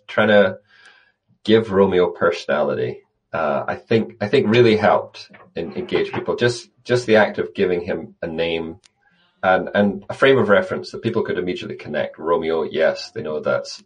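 A man with a very low, deep voice answers interview questions in an easy conversational way. He speaks thoughtfully, often restarting a phrase before carrying on. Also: animated, moderate pace, poor audio. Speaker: conservation guest.

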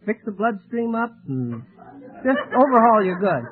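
American man, pretty high voice, halting polite answers like a game show contestant, really crackly old radio. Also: very animated, narrow, tinny audio. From California, United States. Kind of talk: plain, halting interview answers.

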